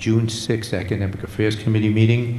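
A man's plain, everyday voice, fairly low in pitch, at a moderate pace with light background noise. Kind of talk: meeting chairing. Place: stage.

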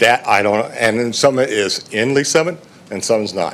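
Noticeable background noise runs through the clip. The voice belongs to a man. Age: 70s. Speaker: public commenter, retired construction estimator. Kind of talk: public comment at council meeting. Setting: city council chamber. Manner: halting.

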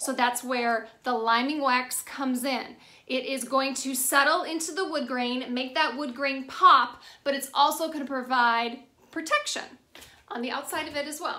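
In an American accent, a woman raises and projects her high-pitched voice while keeping her intonation fairly even. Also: moderate pace. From US Midwest, Minnesota. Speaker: furniture refinisher. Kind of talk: tutorial. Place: workshop. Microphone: phone near.

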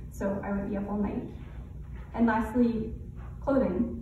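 There is noticeable background noise and audible room echo. A woman speaks at a fairly high pitch with fairly even intonation. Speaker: pediatric occupational therapist. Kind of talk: personal speech to an audience. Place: hall.

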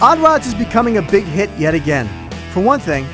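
Over music in the background, a man talks at a very fast pace in an energetic tone with a high pitch. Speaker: narrator. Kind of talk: corporate sales presentation narration. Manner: fast-paced, energetic.

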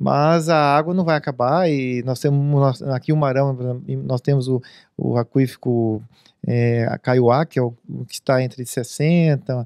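Over a quiet background, a man talks at a fairly slow pace with fairly even intonation, the sound dry with no echo. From Brazil, Paraná (Umuarama); Paraná, Brazil. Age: 40s. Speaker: agricultural technician and political pre-candidate; candidate. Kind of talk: interview on local TV show. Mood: calm, relaxed conversation. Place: home room. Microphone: handheld.

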